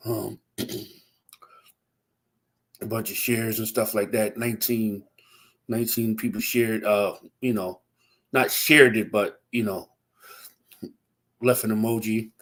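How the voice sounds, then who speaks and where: A man's voice: fairly low pitch, measured pace, pauses often. A young man hosts a laid-back livestream, his voice stuffy and congested from a cold. He talks in a loose, rambling way, looping back on himself with ums and restarts. It sounds like a computer or phone mic. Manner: rambling, relaxed, frequent fillers and restarts. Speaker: livestream host. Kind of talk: casual livestream chat.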